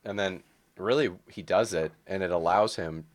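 A man's voice: sits low, moderate pace. A man in his early thirties chatting casually about movies, with informal, loose phrasing. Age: early 30s.

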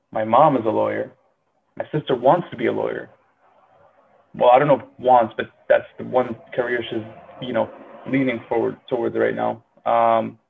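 Young man, Syrian accent, very gravelly fry, husky, tinny phone-like sound, rambling casual vlog talk. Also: medium pitch. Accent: Syrian Arabic. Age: early 20s. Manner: rambling, filler-heavy, self-deprecating. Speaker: medical student vlogger. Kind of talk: casual monologue.

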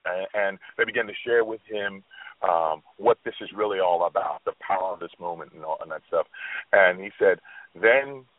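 Male co-host, low voice, earnest and reflective, restarts often, heard over a dry, tinny phone line. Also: moderate pace, dry recording. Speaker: radio show co-host. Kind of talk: storytelling and motivational talk.

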